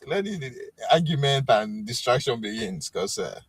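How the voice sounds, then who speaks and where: A man's voice: medium pitch, big pitch swings, slightly rough, no room sound. Rambling Nigerian man hosting a stream. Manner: rambling, self-assured, halting with fillers. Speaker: live stream host. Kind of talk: casual chat with chat commenters.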